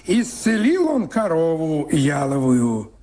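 A man's voice: a little high, very animated, takes it slowly, mellow. A man narrating a folk tale in theatrical, rhythmic verse as a storyteller in a radio play.

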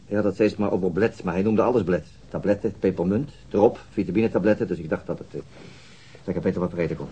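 An actor playing a dogged, troubled police detective in a naturalistic radio drama, husky and deliberate, sometimes halting. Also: male voice, low-pitched, dark tone, lo-fi sound, a little hiss or hum, close to an everyday voice. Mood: troubled, pensive. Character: dogged, troubled male police detective recounting his inquiry.

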